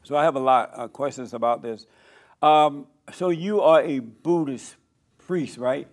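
An older man from Alabama, hosting a studio interview and asking questions with halting restarts. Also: medium pitch. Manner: halting, repeats words when starting. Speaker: host.

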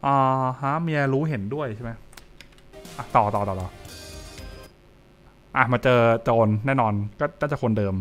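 A man's voice: medium pitch, moderate pace, pauses often, fairly bright tone. A young adult man, giving casual live reaction commentary and repeating short phrases as he thinks aloud. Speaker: streamer reacting to horror comics. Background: music.

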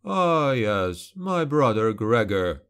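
A man voicing an arrogant young nobleman bully in an audiobook, snarling and mocking with a slight drawn-out lisp. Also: mid-range voice, lightly acted. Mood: menacing.

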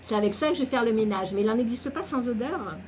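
A woman's voice: on the high side, lively intonation, fast, darkish tone, slight background noise, poor audio. A woman chatting casually as a vlogger at home, showing off her groceries in a rambling way and laughing at herself. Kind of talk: casual grocery haul chat.

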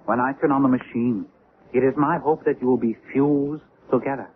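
A man's voice: mid-range voice, steady tone, fairly quick, natural voice. A man acting in a 1970s radio drama as an imperious, zealous alien leader with a grandiose, commanding manner. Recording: tinny, noisy old radio drama recording.

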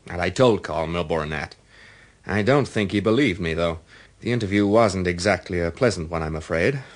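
An actor playing a celebrity's smooth, protective personal assistant in a radio drama, conversational and rather hesitant. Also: male voice, low-pitched, normal speed, lightly acted. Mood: explaining, regretful.

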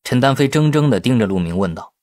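Expressive male audiobook narrator, close and dry. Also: medium pitch, fast talker, no echo. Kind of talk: dramatic scripted narration of a novel.

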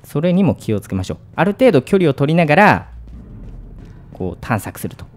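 Man, horror game commentary, widely swinging pitch, jumpy, muttered asides. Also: fairly quick. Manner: jumpy, startled outbursts between calm muttering. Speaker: gaming video host.

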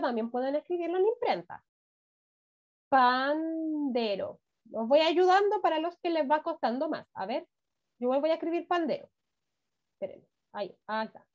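A woman teaching a first-grade class online with a Chilean Spanish accent, dictating words slowly by syllables and coaxing the children along. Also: high voice. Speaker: primary school teacher. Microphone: laptop mic on a video call. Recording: dull lo-fi video call audio.

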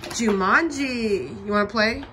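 A woman's voice: medium pitch, a little slow, noisy background. A woman bantering playfully and teasing her partner while they sort through finds. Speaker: co-host partner. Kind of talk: casual banter.

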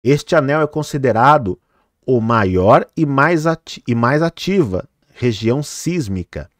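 A man's voice: mid-range voice, dry recording, studio quality. A man vlogging, casually commenting on footage and talking straight to his viewers with many fillers, sometimes tripping over hard names. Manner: chatty, fillers like "né" and "olha, gente".

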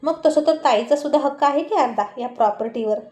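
A woman's voice: sits high, a little fast, darkish tone, echoey room, natural voice. Woman voicing playful young husband.

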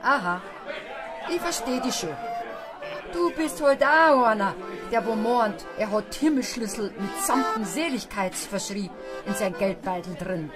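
An actress playing a canny, foreboding village woman in a Bavarian dialect audiobook drama, speaking deliberately and in proverbs. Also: mid-range voice, expressive, over music, a crowd in the background, lightly acted. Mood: knowing, ominous. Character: slow-spoken village woman handing out charms, foreboding, canny.

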